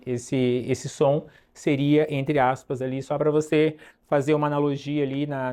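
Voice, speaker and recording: Teacher with a mellow voice. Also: male voice, on the high side. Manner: drills pronunciation slowly, checks in with "ok?" often. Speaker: English teacher. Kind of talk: online English lesson at a whiteboard.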